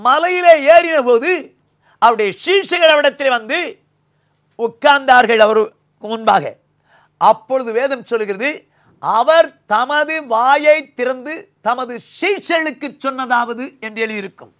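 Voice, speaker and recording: An older pastor with a Tamil accent preaches a sermon in a small indoor studio, speaking into a lapel mic. His delivery swings between loud, emphatic passages and low, quiet lines, and his pace is a little slow.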